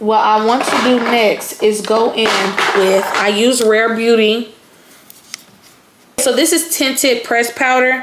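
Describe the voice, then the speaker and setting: This woman talks at a fairly slow pace with fairly high pitch, fairly even intonation and very even loudness. Long pauses come often, and background noise is noticeable. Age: 20s. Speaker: beauty vlogger. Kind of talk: makeup tutorial. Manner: casual, chatty.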